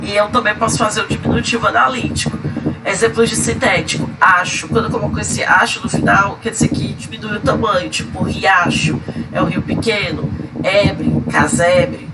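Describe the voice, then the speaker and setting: A man with a stuffy nose teaching a recorded grammar lesson, listing word examples slowly with frequent fillers. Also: a little high. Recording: loud background noise.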